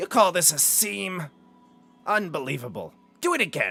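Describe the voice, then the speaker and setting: Raspy, fairly high-pitched put-on character voice from a man at a moderate pace, with faint music in the background. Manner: barking, commanding, angry.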